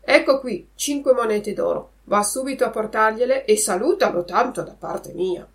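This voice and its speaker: A woman voicing a gruff but kindly male puppet master in a storybook reading. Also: a little high, normal speed, lightly acted. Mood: sympathetic.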